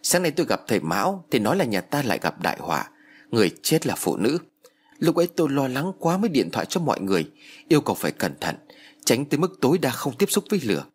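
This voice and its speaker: A man's voice: medium pitch, very animated, fast, husky. A man playing a grieving older brother in a spoken horror story, grave and urgent, his voice choked. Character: older man, grief-stricken eldest brother.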